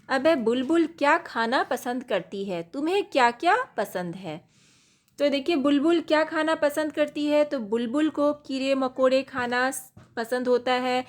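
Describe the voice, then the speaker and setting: Slow, patient woman teaching small children. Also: fairly high pitch. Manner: patient, explains step by step, asks and answers her own questions. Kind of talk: slow worksheet lesson for young children.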